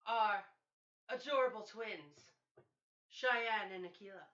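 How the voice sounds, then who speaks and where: A woman running a tabletop fantasy game as game master, narrating in a theatrical, drawn-out storyteller manner. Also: mid-range voice, fairly bright tone. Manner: dramatic, drawn-out storyteller delivery. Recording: echoey, dull lo-fi room.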